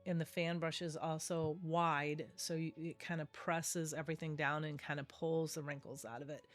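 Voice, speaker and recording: With soft background music underneath, a middle-aged woman talks through a casual craft tutorial as its host. Her voice is low-pitched and level at a moderate pace, nasal from a cold, and her manner is chatty, rambling and self-correcting.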